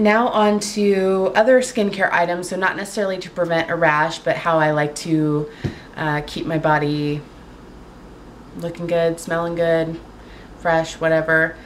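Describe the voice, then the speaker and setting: A woman vlogging casually to camera at home, chatty and full of fillers, her voice a little raspy from a cold. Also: lowish voice, steady tone, measured pace, a little hiss or hum. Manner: chatty, lots of fillers and likes. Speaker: beauty vlogger. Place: home, indoors.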